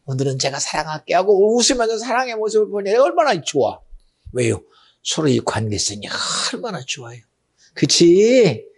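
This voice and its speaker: A man preaching a sermon as pastor, swinging between loud exclamations and hushed, almost whispered asides. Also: medium pitch, husky.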